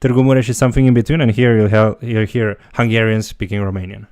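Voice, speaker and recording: A man's voice: lowish voice, little pitch movement, fast, darkish tone, dry recording, studio quality. A man teaching a language, answering viewer questions in a casual livestream and thinking aloud as he goes. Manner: loose, talks while thinking aloud.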